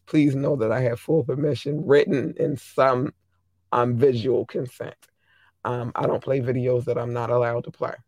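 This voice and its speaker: A hoarse podcast host chatting casually, affectionately shouting out listeners country by country. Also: medium pitch, no echo.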